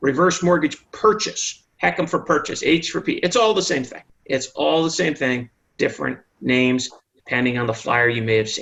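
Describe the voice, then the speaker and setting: Here a man speaks at a fairly high pitch. His intonation is lively. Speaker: reverse mortgage loan specialist. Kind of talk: training presentation. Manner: fast.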